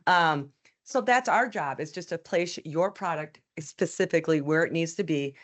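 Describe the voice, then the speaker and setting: Chatty woman on an advertising panel. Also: low voice. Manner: conversational, many fillers and restarts. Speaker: media sales panelist. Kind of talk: panel discussion answer. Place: event room with live audience.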